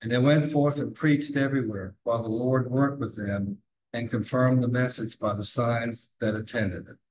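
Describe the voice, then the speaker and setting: A man's voice: mid-range voice, steady tone, normal speed, darkish tone. An older man reading a scripture lesson aloud in plain, careful phrasing, recorded from a distance in a large cathedral. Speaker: lay reader. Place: large cathedral sanctuary, indoors. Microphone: far camera.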